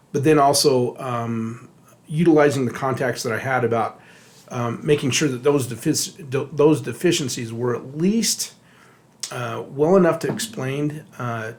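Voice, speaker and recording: A middle-aged man from Texas speaks in a relaxed podcast conversation. He pauses often on fillers and restarts his phrases as he works out what to say, at an ordinary pitch for a man. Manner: halting, many fillers and restarts. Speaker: podcast co-host, addiction therapist. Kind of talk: casual podcast talk.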